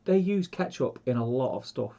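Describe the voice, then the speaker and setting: A man's voice: mid-range voice, lively intonation, moderate pace, warm tone, highs cut off. Bunged-up man, hesitant. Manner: hesitant, many restarts. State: congested, bunged up. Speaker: co-host. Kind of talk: casual livestream chat.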